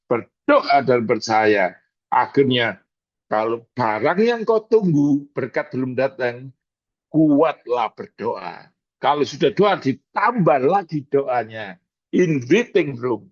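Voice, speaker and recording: A male pastor from East Java preaching and praying with slow, dramatic emphasis, mixing in English words, heard over a video call. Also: medium pitch, no echo. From East Java, Indonesia. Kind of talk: emotional sermon and prayer. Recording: dry, dull video-call audio.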